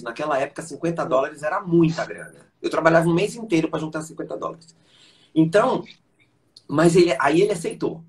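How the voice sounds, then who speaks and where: Lively man telling stories. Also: medium pitch. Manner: animated storyteller who acts out quoted voices. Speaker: guest, voice teacher and conductor. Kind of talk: live-stream interview storytelling.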